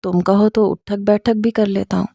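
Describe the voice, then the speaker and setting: Woman reading as a young man in love, playful and coaxing, mellow voice, dry sound. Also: mid-range voice, fairly even intonation, creaky, no echo. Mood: teasing.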